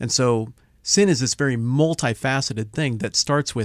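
A man speaks in a normal speaking voice at a moderate pace, medium in pitch with ordinary pitch variation. The recording is very clean with a silent background, dry and close with no echo. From US West, Colorado. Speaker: YouTube Bible teacher. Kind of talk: casual theological discussion.

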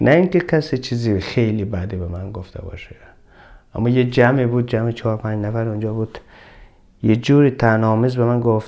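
A man's dark, mellow tone at medium pitch, with ordinary pitch variation, a moderate pace and big swings in loudness. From Afghanistan. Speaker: refugee rights activist. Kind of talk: interview. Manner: halting.

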